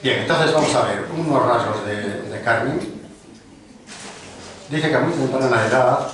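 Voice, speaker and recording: A man's voice: mid-range voice, a little slow, recorded from a distance, background noise. An older man from Spain hosting a book presentation, speaking in a chatty, rambling way with small self-deprecating jokes. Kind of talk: informal welcoming speech. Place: large hall of a cultural club, indoors. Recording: very echoey hall, heard from afar.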